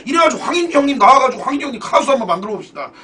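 Excitable high-voiced Korean game streamer. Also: male voice, racing, background noise. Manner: excitable, loud outbursts, frequent swearing. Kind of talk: casual live-stream commentary. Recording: distant mic with game music behind.

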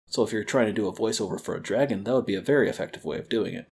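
A man teaching a screen-recorded lesson on a quality desk microphone, calmly explaining audio editing and wave theory step by step. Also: fairly low pitch, very fast, slightly rough. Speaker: library educator.

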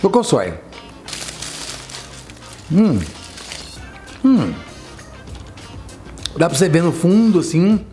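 A man's voice: sits high, very animated, slow, pauses often, mellow, faint music behind. A Brazilian man reviewing chocolate in a casual, informal way, talking while chewing. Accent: Brazilian Portuguese. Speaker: food vlogger. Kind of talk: casual product tasting review.

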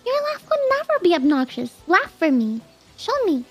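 A woman chatting casually as a vtuber guest, giggly and excitable. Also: very high voice, normal speed, faint music behind. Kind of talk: casual stream chat.

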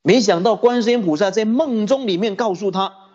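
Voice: medium pitch, normal speed, a little mellow. A Buddhist teacher giving a sermon, telling a story with many rhetorical questions. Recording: dull lo-fi recording.

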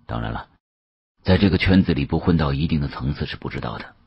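Man playing a very deep, grave older official. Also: expressive, creaky, husky, no room sound, dull audio, full character voice. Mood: solemn, proud. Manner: slow, weighty, lecturing. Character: grave, knowing older male official, unhurried and cryptic.

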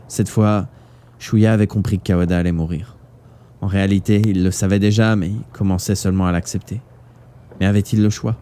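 A man with a low, mellow voice narrates a novel aloud during a live reading. His delivery is expressive and follows the story closely. His tone is warm and relaxed, never bright. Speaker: audiobook reader.

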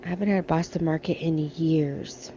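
A middle-aged American woman chats her way through the aisles of a big discount store, thinking aloud about products. Her voice is mellow and soft-edged, picked up by a handheld phone, with faint store hum behind her. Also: low-pitched, steady tone, moderate pace, dull audio. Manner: chatty, thinking aloud while browsing. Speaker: shopping vlogger. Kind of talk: casual shop-with-me vlog. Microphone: handheld phone camera.

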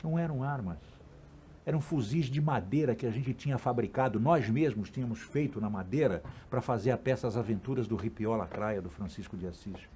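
A man's voice: mid-range voice, fairly quick, warm tone, a little hiss or hum. A man recalling events in an earnest documentary interview, stressing his words. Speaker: interviewee, former student activist.

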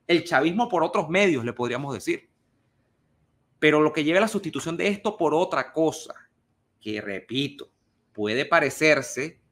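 Higher-voiced Venezuelan man musing aloud. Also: a bit bright. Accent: Venezuelan Spanish. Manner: thoughtful, cautious, repeats and restarts words. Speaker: political commentator answering a viewer question. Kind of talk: casual spoken commentary.

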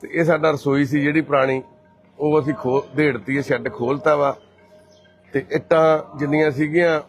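Cheerful coaxing Punjabi man, live tour. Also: medium pitch. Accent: Punjabi from Punjab, India. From Punjab, India. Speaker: host and caretaker at a care shelter. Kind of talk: live walk-through narration.

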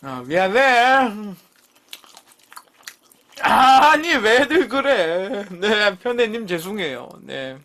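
A man's voice: sits high, drawn-out words, pauses often. A man in his thirties hosting a live eating stream, chatting casually with viewers and swearing freely as he bickers with them. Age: 30s. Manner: lively, jumps between mumbling and loud outbursts.

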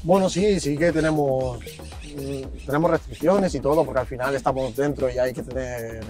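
A teenage young man from Colombia answers in a mid-pitched, soft-spoken voice, stumbling and restarting his sentences as he goes. He sits on a park bench outdoors with the camera a few feet away. Faint music sits in the background. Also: moderate pace. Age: late teens. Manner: hesitant, many restarts and fillers, soft-spoken. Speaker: youth footballer guest. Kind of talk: casual interview answers.

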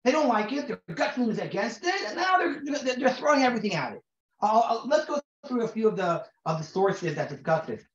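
A man's voice: high voice, very animated. Male rabbi in his forties, from Israel, conversational lecture style, lots of restarts, roomy and muffled recording. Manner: conversational, many restarts and repeated words; reads Hebrew sources aloud quickly. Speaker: rabbi teaching a class. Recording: roomy, dull lo-fi sound.

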